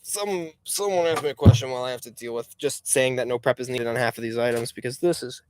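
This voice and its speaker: A man's voice: mid-range voice, fast, a little mellow, smooth. A man in his twenties chatting casually on a live stream, reading out chat questions and grumbling aside about a website that keeps failing. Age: 20s. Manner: chatty and rambling, reads chat questions aloud, frustrated asides. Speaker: online reseller hosting a live stream.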